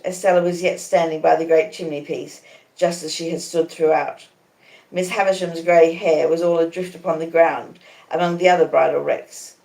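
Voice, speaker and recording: Low-voiced Australian woman narrating, echoey. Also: a little mellow. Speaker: audiobook reader. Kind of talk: live dramatic reading of a classic novel, narration. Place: conservatory in a small cottage. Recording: echoey room.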